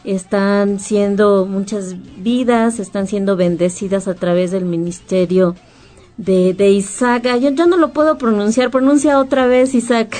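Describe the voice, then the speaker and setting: A woman hosts a Christian radio program, her voice sitting at an ordinary middle pitch. She talks in an unhurried, friendly way, addressing listeners and her guest. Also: steady tone, warm tone. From Mexico. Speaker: radio host.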